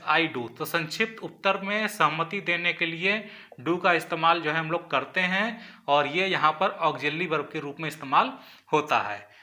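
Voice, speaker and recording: Bright-voiced man teaching grammar. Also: fairly high pitch. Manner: repeats points, often says "ठीक है" and "जो है"; mixes English terms into Hindi explanations. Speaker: English teacher for exam prep. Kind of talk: explanatory lesson.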